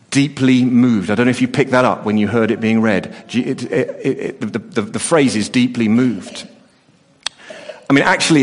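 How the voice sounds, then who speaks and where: A middle-aged man preaching a sermon, earnest, often restarting and repeating words as he talks. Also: medium pitch. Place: church hall. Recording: long reverb of a hall.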